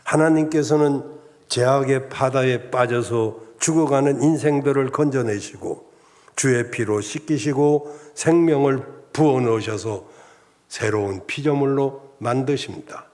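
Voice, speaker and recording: A male pastor preaching a Sunday sermon in a measured, enumerating style, often addressing the congregation directly. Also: mid-range voice, a little mellow. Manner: measured preaching with enumerated points and rhetorical asides. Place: church sanctuary.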